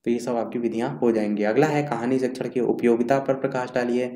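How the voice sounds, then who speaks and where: A male exam-prep teacher reads revision points aloud as a list and repeats key terms, captured in a screen recording as he scrolls his notes. He talks fast in a steady, dark, medium-pitched voice, and the room echoes.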